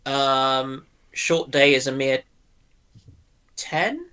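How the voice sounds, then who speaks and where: A man talks casually on a livestream panel. His speech is slow and unhurried, with an average pitch. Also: pushed and bright, smooth. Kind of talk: casual chat.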